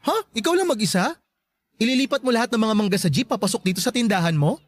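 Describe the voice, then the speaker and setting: A woman playing a sassy, sharp-tongued gay best friend in a Filipino radio drama, catty and taunting with a Filipino accent. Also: fairly high pitch, big pitch swings, fast talker. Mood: sassy, mocking.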